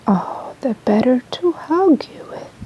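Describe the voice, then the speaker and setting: A woman's voice: sits high, animated, slow, highs cut off. A woman whispering the part of a cunning male wolf pretending to be a sick grandmother, sly and coaxing. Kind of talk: ASMR storybook reading.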